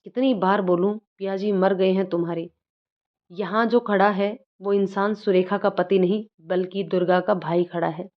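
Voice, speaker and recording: A woman voicing an angry grown man who shouts harsh commands, read as a storybook role. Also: mid-range voice, fairly even intonation, moderate pace, natural voice. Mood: furious. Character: angry grown man, husband turned furious. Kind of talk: storybook reading. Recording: dull lo-fi recording.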